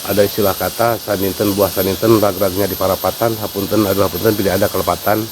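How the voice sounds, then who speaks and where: Sundanese guy, lowish voice, slow explainer w lots of uh, hissy outdoor audio. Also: little pitch movement. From West Java, Sundanese. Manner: unhurried, hesitant with fillers, explains at length. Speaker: site caretaker and guide. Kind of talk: casual explanatory interview. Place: outdoors at a wooded sacred site.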